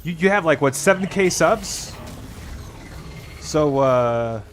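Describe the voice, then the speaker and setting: A man's voice: a little high, expressive, slow, slight background noise. A young man with an American-influenced English accent, half French and half Danish, chatting casually with his live chat while he plays, rambling and joking. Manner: rambling, restarts words, playful banter. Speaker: streamer.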